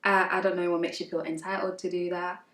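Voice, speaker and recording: A woman on a discussion panel speaks in a firm, lecturing way. Her voice is low and flat. It carries the echo of a room, heard from a distance. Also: quick pace. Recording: echoey room from far off.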